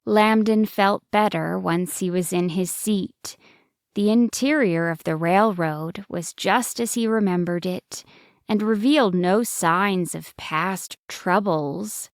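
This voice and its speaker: A woman's voice: mid-range voice, takes it slowly, dry recording, clean studio sound. A woman narrating a scripted bedtime story for children as the storyteller.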